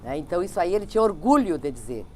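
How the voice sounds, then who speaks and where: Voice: mid-range voice, very animated, very fast, slight background noise. A teacher speaking earnestly in a documentary interview. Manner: earnest, reciting verses from memory.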